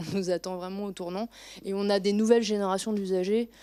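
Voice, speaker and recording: Talking at a fairly quick pace, a woman has a medium pitch, a dark, mellow tone, and monotone, flat intonation. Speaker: hospital public service manager. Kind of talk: panel discussion. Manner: halting.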